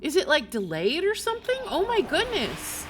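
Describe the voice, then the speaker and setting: A woman's voice: high-pitched, huge pitch swings, moderate pace, background noise. A woman livestreamer chatting casually with her viewers while she plays a game.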